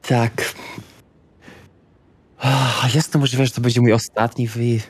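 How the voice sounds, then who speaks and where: Man, medium pitch, polite, hesitant, conversational tabletop RPG player. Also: little pitch movement, takes it slowly, slightly rough. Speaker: tabletop role-playing player. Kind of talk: casual in-character conversation.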